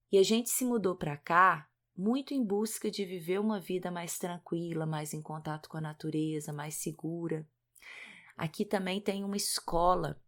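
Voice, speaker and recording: A woman with a Minas Gerais accent hosts a podcast in a low, calm voice. She talks in a measured, gentle way, close to the mic. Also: gravelly. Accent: Minas Gerais Brazilian Portuguese. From Minas Gerais, Brazil. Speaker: podcast co-host, psychologist. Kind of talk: podcast introduction.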